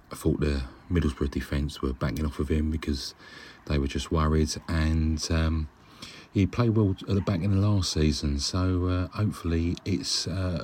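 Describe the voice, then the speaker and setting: A man's voice: rumbling low, a little hiss or hum. A man leaving a casual, rambling voice message as a caller to a fan show. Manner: relaxed, chatty, hesitant with many ums. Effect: recorded voice message.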